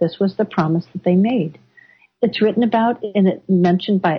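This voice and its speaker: Somewhat breathy and fairly quick, this voice has an American accent and fairly even intonation. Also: woman. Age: 60s. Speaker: activist running an advocacy website. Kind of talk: interview.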